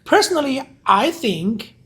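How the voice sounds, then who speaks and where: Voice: high-pitched, very animated, measured pace, a bit bright, slightly rough. An interview host with a Chinese accent, speaking English as a second language and asking short, direct questions that often repeat the guest's answers back. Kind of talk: casual interview.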